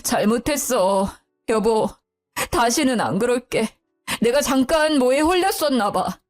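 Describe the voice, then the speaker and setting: A woman's voice: a little high, expressive, a little slow, faint music behind, pitched above the performer's own voice. A woman voicing a weak-willed young husband in a storybook narration, begging and pleading.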